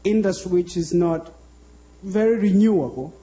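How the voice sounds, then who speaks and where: A man's voice: high-pitched, moderate pace, warm tone, low-quality recording. A man from Tanzania, introducing himself on a university panel in an easygoing way. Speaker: panel speaker.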